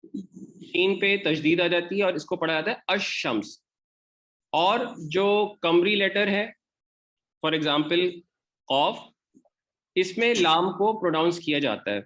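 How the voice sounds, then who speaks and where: A man's voice: sits high, expressive, slow pace, long pauses, fairly bright tone. A man with a Pakistani Urdu accent teaching an Arabic grammar class, explaining step by step and repeating example words. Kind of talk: online class lecture.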